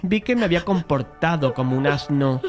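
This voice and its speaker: A man's voice: a little high, animated, fairly quick, natural voice. Man playing a brooding painter narrator, music behind. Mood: remorseful. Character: first-person painter narrator of a macabre tale, brooding, male. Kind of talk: dramatized horror audiobook narration.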